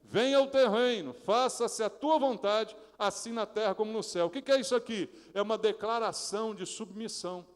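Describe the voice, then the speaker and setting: A male pastor from Brazil preaching a sermon, asking the congregation questions and acting out prayers in a hushed, pleading voice. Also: sits high, moderate pace, hardly any pauses. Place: church sanctuary. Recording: reverberant church hall.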